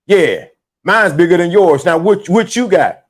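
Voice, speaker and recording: High-voiced man riffing on a live stream. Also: a little slow. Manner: loose, animated, repeats himself, slangy. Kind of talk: casual live-stream commentary.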